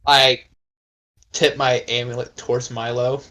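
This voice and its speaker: A man's voice: medium pitch, level tone, unhurried, a crowd in the background. A man playing a tabletop game, hesitant and stumbling over his words as he explains his character's plans. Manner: hesitant, stammering restarts. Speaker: player. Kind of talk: casual tabletop game talk.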